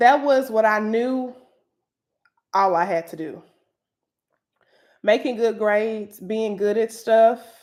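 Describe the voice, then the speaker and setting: Fairly high in pitch with ordinary pitch variation, a woman speaks at a very slow pace, with long, frequent pauses and big swings in loudness. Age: 30s. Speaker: small business YouTuber. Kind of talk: casual livestream chat. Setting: livestream on laptop. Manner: occasional stutter.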